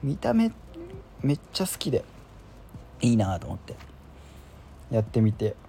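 Guy rambling on his own little talk show, mellow low-key tone, pitch jumps all over, faint hiss behind. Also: big pitch swings, unhurried, creaky. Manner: rambling, self-deprecating, many fillers. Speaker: podcast host. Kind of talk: casual solo chat.

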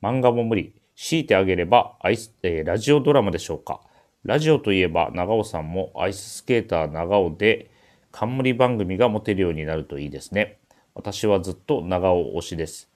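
A man's voice: low voice, lively intonation, a little fast, darkish tone. A man hosting a casual radio talk show, chatting with guests and reading out listener letters.

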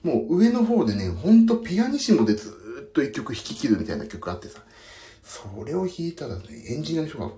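A man's voice: fairly high pitch, big pitch swings, fast, dark tone. A man, a pianist, chatting casually about his work while soaking his feet in a bath, telling stories with self-mocking asides. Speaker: pianist and audio podcaster. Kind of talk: casual rambling chat. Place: bathroom, in a foot bath. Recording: echoey bathroom acoustics.

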